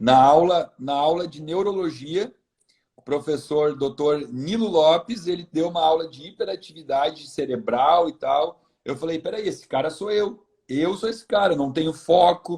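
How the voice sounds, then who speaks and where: In a normal speaking voice, a man at a fairly high pitch talks at a fairly slow pace with ordinary pitch variation and big swings in loudness. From southern Brazil, Rio Grande do Sul (Caxias do Sul). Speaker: doctor. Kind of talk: casual interview chat.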